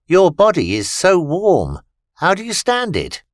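A gentle alien youngster, put on by a man, speaks in a precise, polite way, its voice lifted high above a normal adult's. The tone swoops and rises with plenty of movement. The sound is close and dry. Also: animated, measured pace, no room sound. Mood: worried. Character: small gentle alien child, earnest and formal.

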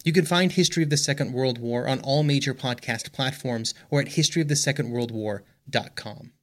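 Male promo voice, podcast host, earnest, mid-pitched. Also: fairly quick, a bit bright. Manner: earnest, sweeping promotional delivery. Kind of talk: scripted promo read.

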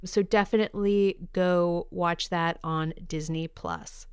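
A woman's voice: fairly low pitch, steady tone, takes it slowly, clear, resonant tone, no echo, studio quality. A woman co-hosting an entertainment podcast, sharing news in a bubbly, playful, enthusiastic chatty style. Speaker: podcast co-host. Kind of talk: upbeat co-hosted podcast chat about entertainment news.

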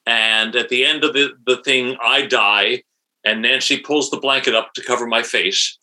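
A man's voice: mid-range voice, fairly even intonation, moderate pace, sharp tone, rough recording. A man in his sixties from New Jersey, a guest on an interview podcast, talking casually with many fillers and restarts. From New Jersey, USA. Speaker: podcast guest, actor and author.

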